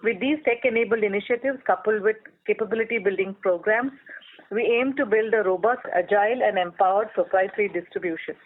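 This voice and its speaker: Casting: company executive, formal scripted results delivery, mid-pitched voice, narrowband telephone sound. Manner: formal, measured corporate reading. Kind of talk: scripted earnings call presentation. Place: telephone conference call. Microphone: phone line. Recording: tinny, narrowband phone line.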